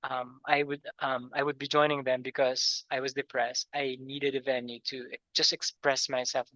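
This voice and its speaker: A man, speaking haltingly as a guest in an interview, with many pauses and fillers. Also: mid-range voice, little pitch movement, sharp tone, no echo, rough recording. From Philippines.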